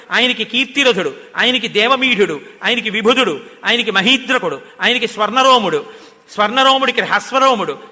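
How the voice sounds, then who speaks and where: An older man with a Telugu accent giving a devotional discourse, telling a sacred story and chanting Sanskrit verses slowly. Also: very high-pitched, sharp tone. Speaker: religious discourse speaker. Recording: long hall reverb.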